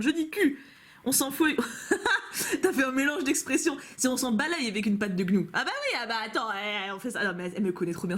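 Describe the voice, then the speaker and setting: A young woman vlogging at home, chatting playfully as she opens fan-made cards, recorded on a camcorder. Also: sits high. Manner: gushing, playful, chatty with frequent laughs. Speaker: YouTuber opening fan mail. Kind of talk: casual unboxing chat.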